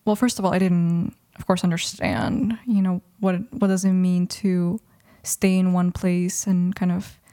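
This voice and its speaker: Young woman with warm, mellow voice. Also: lowish voice, level tone, measured pace, few pauses, dry recording, studio quality. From Mexico. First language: Russian. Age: 20s. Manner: thoughtful, hesitant, many restarts and fillers. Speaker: guest. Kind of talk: casual interview conversation.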